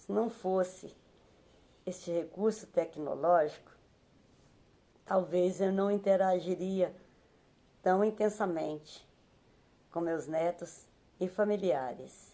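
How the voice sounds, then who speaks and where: Very slow, with long, frequent pauses, a woman speaks at a medium pitch in a dark, mellow tone and fairly even intonation. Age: 60s. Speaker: senior smartphone user. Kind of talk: video testimony.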